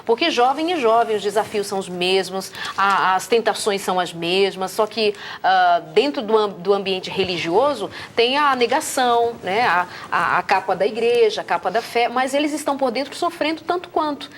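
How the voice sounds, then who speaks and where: A woman's voice: mid-range voice, lively intonation, moderate pace, hardly any pauses, slight background noise. A Brazilian woman hosting a talk show, reflecting on the topic and asking probing questions. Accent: Brazilian Portuguese. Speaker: host.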